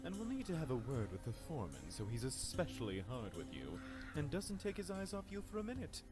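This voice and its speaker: A man's voice: mid-range voice, huge pitch swings, brisk, pitched above the performer's own voice. Cruel, taunting game grand vizier, voiced by a man: silver-tongued, theatrical, swooping intonation over music. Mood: gloating. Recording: music playing behind the voice.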